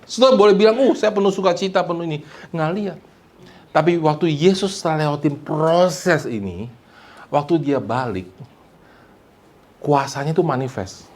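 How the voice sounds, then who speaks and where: A male pastor preaching to his congregation in a fairly high voice. He drops English phrases into his preaching and keeps addressing the listeners directly. He moves between loud, emphatic high points and low, quiet asides. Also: lively intonation, normal speed, long pauses. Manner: mixes English phrases into preaching, repeats "saudara" and "amin". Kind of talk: sermon.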